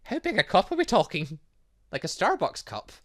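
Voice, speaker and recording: A man giving animated let's play commentary on a story game, reacting out loud with exclamations. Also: high voice, moderate pace. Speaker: gaming channel host.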